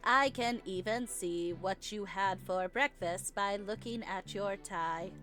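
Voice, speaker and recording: A woman co-hosting a let's play, reading a game character's lines aloud in an animated way. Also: mid-range voice, takes it slowly. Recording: game music behind. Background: video game music.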